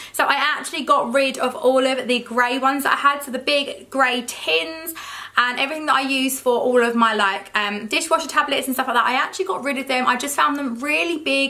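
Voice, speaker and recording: A woman's raised, projected voice, high-pitched with a South East English accent, hardly any pauses, and noticeable background noise. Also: ordinary pitch variation, fairly quick pace. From South East England. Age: 20s. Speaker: home and cleaning vlogger. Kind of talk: casual talk to camera.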